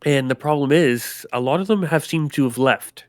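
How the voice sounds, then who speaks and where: Smooth-voiced man running a tabletop game. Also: on the high side, normal speed, dry recording. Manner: rambling, casual descriptive narration. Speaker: game master.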